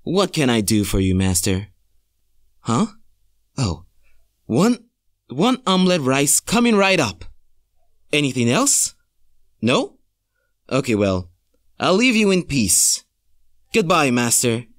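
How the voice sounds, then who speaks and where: A man's voice: mid-range voice, very animated, takes it slowly, pauses often, dry recording, studio quality. A man voicing a polite, servile maid in an anime-style character performance. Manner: courteous, deferential. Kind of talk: character demo reel acting.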